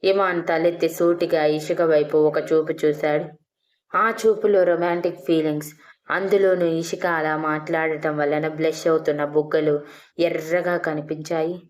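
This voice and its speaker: A woman's voice: deep voice, fairly even intonation, normal speed, a little mellow. A woman narrating a romantic audio story, reading expressively.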